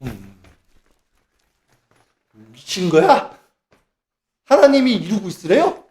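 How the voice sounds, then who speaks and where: Brief: male religious speaker, high lively voice, sarcastic rant. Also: takes it slowly. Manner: sarcastic, mocking, animated. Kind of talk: ranting religious monologue.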